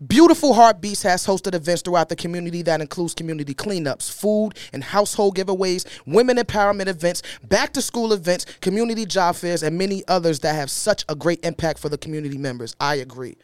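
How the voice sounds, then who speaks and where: Animated Brooklyn man with a high voice. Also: quick pace, few pauses, clean tone, dry recording. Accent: Brooklyn New York. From Brooklyn, New York. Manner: animated, playful, jokes at his own stumbles. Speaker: host. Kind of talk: casual show chat, reading guest bios.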